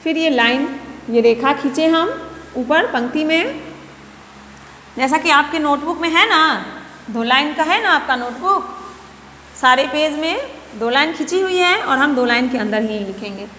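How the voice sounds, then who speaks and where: A woman's voice: high voice, lively intonation, unhurried, pauses often, bright, forceful tone, reverberant, in a large hall, a little hiss or hum. A woman teaching a nursery writing lesson, explaining each stroke patiently and repeating steps with coaxing questions to the children. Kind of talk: slow, patient classroom instruction.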